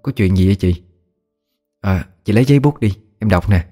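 A man's voice: sits low, lively intonation, mellow, soft background music. A man voicing a sleepy woman friend answering an early phone call, speaking in a drowsy way. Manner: drowsy, unhurried.

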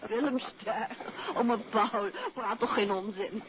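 An actress playing a cheerful, chatty wife of a detective in a 1950s radio drama, teasing and affectionate. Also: female voice, on the high side, fairly even intonation, takes it slowly. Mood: playful delight. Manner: playful, exclaiming, affectionate. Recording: dull, noisy old radio recording.

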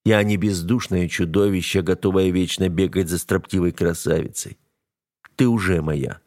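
A man's voice: deep voice, fairly even intonation, normal speed, darkish tone, lightly acted. A man voicing a cold, domineering heir to the throne who issues level, menacing warnings. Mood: commanding. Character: cold, domineering male heir, the narrator himself.

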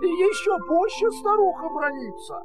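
A man's voice: very high-pitched, big pitch swings, unhurried, music in the background, heavily acted. An actor playing a meek, plaintive old fisherman in a fairy-tale audio play, pleading in a deferential singsong. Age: older.

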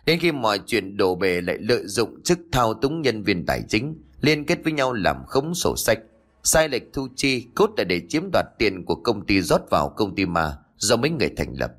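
Cool-headed young heir, read by a man in a storybook tale; low, expressive delivery. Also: normal speed. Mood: accusing. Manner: cold, accusing. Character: confident young male company heir, cold.

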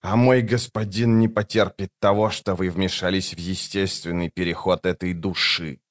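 Male narrator as a decrepit monster of death: low, trembling, drawn-out, mocking. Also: little pitch movement, dry recording, clean studio sound, lightly acted. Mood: sardonic. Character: creaky decrepit death-servant monster, sardonic, sluggish.

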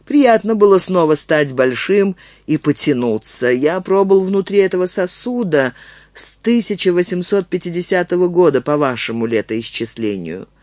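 A man voicing an ancient giant male djinn in an audiobook, calm and courteous, speaking slowly and in a measured way. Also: high voice, no echo.

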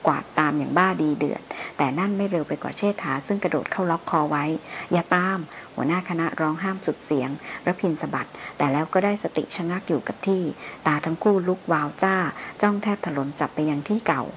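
Low-voiced female audiobook narrator, steady and dramatic. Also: fast talker, few pauses, slight background noise, poor audio.

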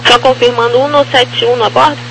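A woman's voice: a little high, fairly even intonation, a little fast, fairly bright tone. A Brazilian woman working as a ground air traffic controller, giving clipped procedural instructions over aviation radio. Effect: crackly aviation radio. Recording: noisy crackly aircraft radio channel.

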